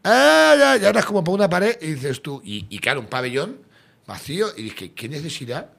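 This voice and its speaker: A man chatting casually with fellow comedians, jumping in with quick jokes and asides. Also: fairly high pitch, vocal fry, husky. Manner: fast, lively, jokey interjections. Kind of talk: casual podcast chat.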